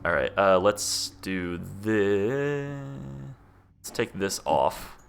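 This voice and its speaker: Young man, game streamer, monotone, laid-back, lowish voice, casual commentary. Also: drawn-out words, slight background noise.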